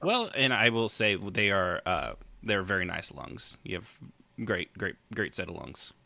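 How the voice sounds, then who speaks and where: Male podcast host: rambling, jokey, sharply bright delivery with animated swings, recorded close and dry. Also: deep voice, measured pace, vocal fry, no room sound. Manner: rambling, joking, teasing. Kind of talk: casual chat, hosting a live roleplay podcast.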